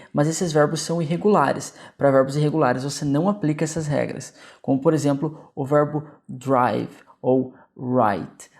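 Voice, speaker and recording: Gravelly-voiced Brazilian male English teacher. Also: a little high, a little mellow. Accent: Brazilian Portuguese. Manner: patient, checks in often with short questions. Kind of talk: explanatory video lesson.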